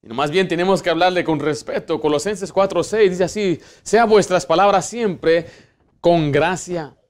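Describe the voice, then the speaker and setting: A man's voice: high-pitched, moderate pace. A man, a pastor preaching a sermon in church and putting earnest rhetorical questions to his congregation. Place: church sanctuary.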